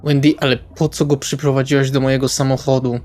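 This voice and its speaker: A man's voice: mid-range voice, flat delivery, fast, a little mellow, lightly acted. A man plays a fed-up, contemptuous vampire in a role-playing drama. His voice sits in an ordinary register. He speaks with sardonic exasperation, as if everyone around him is a burden. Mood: exasperated. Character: irritable, contemptuous male vampire driver.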